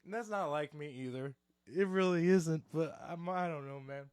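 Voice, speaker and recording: Guy on a podcast telling a wild story, lots of swearing and acting stuff out, kinda high voice, dry close sound. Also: moderate pace, clear, resonant tone, no echo. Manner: animated, profane storyteller who acts out quotes. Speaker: podcast co-host. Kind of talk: casual storytelling chat.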